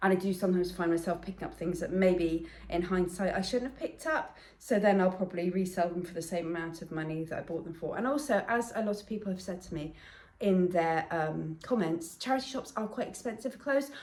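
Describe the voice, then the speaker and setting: A woman with an English accent talks at a very fast pace in a medium pitch, with ordinary pitch variation, big swings in loudness and noticeable background noise. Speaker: vintage reseller and haul vlogger. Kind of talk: casual haul video talk.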